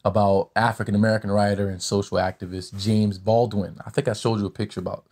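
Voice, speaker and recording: A man's voice: on the low side, level tone, quick pace, a little mellow. A man hosting a podcast interview, speaking thoughtfully with many fillers and long questions. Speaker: podcast host. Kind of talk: conversational interview.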